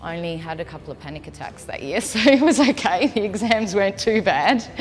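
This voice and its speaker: A woman talks with lively intonation. Background music can be heard. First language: Italian. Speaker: singer. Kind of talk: interview answers.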